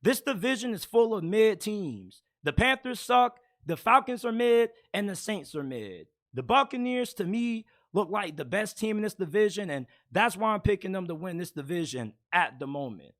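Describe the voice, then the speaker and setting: A man with a raspy, hoarse voice hosts casual sports talk in a strikingly high register. His tone is bright and sharp, and his delivery is blunt and opinionated, quick to get heated. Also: animated. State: hoarse from yelling. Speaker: sports commentator host.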